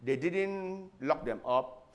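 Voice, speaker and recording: A man, a lawyer earnestly recounting events in an interview with measured, repetitive phrasing. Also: on the high side, expressive. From Cameroon.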